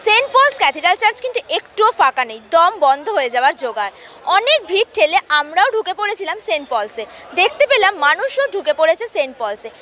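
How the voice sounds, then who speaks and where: A young woman with a Bengali accent, hosting a lively vox pop street interview with a handheld mic outdoors. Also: very high voice, fast. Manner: lively, chatty presenter. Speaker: street reporter and host. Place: crowded churchyard lawn outdoors. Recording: outdoor crowd in the background.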